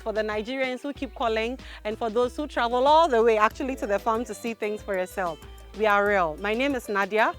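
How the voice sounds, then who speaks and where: A woman presenting outdoors in a farm paddock, talking directly to viewers in an upbeat way. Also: mid-range voice.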